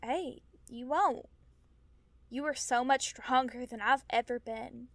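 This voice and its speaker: Slow-paced, earnest young Fae companion, played by a woman. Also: sits high, dry recording, full character voice. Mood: reassuring, earnest. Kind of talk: audio drama acting.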